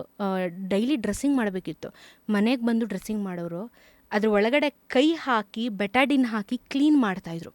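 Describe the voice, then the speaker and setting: A woman moto vlogger, a guest in an interview, candidly recounting events in casual, animated conversation with vivid detail. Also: medium pitch, dry recording.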